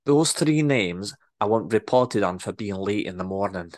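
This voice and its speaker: A man's voice: lowish voice, animated, normal speed, darkish tone, natural voice. A man doing a pushy Scottish woman boss. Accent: attempted Scottish. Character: bossy, predatory woman manager.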